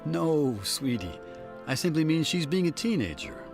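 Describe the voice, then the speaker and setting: A man's voice: a little high, sing-song, a little slow, gravelly, a little mellow, soft background music, heavily acted. A man playing a genial wealthy husband and father in an audio drama, drawling, urbane and placating.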